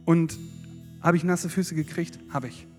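A man preaching a lively sermon, acting out prayers as he tells the story. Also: on the high side, unhurried. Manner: lively, dramatizing with acted-out prayers. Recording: long hall reverb with faint guitar.

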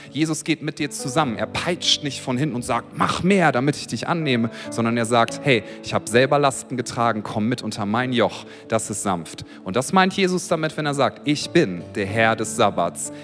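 A man pastor preaching a sermon, speaking directly and conversationally to his listeners, with frequent swells in pitch and volume for emphasis. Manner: lively preaching with sudden rises in pitch and volume.

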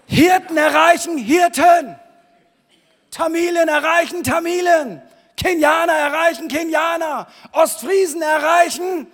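A pastor preaching a sermon in a church hall, moving between quiet talk and loud, shouted emphasis. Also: male voice, extremely high pitch, measured pace, some chatter behind. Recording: long reverb of a church hall.

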